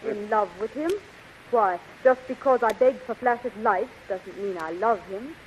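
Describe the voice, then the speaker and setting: A young adventure heroine, acted by a woman with a high, earnest, emotional voice. It is melodramatic 1930s radio acting on a dull, hissy recording. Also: unhurried, natural voice. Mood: coy, flattering.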